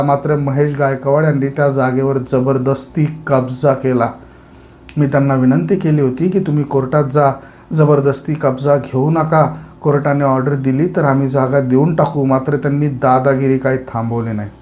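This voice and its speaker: A man's voice: fairly high pitch, darkish tone. A man reading a scripted news report as a presenter.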